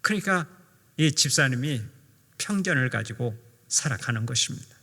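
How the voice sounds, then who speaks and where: A man's voice: mid-range voice, expressive, normal speed, sharp tone, husky. An older man from Jeolla, a pastor preaching a sermon and acting out the people he quotes, in an earnest way. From Jeolla, South Korea. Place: church sanctuary. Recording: church hall reverb.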